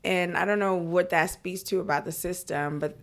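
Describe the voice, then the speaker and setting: A young woman from Brooklyn in casual conversation, talking in a quick, reflective way. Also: on the low side, steady tone. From Brooklyn, New York. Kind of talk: casual chat.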